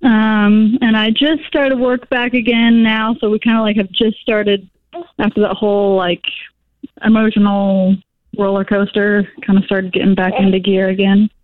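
A woman's voice: medium pitch, little pitch movement, normal speed, no room sound. A young adult woman calling in over a phone line, speaking hesitantly with lots of "um" and "like" as she chats casually. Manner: hesitant, with many fillers like "um" and "like". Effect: heard over a phone line. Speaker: caller. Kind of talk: casual call-in chat.

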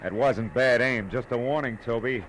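An actor playing a tough, brusque American private detective in an old radio drama, clipped and wry. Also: male voice, mid-range voice, normal speed, very noisy, close to an everyday voice. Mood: hard, taunting. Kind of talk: 1940s American radio drama, narration and dialogue.

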